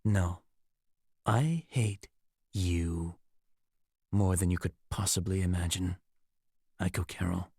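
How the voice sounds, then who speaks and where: A man's voice: sits low, takes it slowly, long pauses, a little mellow, breathy edge, no room sound, studio quality, full character voice. A man playing an unhinged, morbid winged creature who holds a captive, menacing yet eerily conversational, in an audiobook. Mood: hateful. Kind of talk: audiobook character acting.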